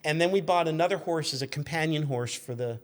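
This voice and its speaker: A man's voice: a little high, a little fast. A man chatting as a guest on a casual radio show, explaining things and telling anecdotes in a wry, dryly joking way, often interrupting himself.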